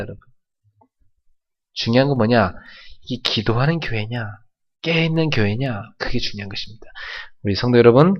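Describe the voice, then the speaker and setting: A male pastor preaching a sermon emphatically and asking the congregation rhetorical questions. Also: mid-range voice.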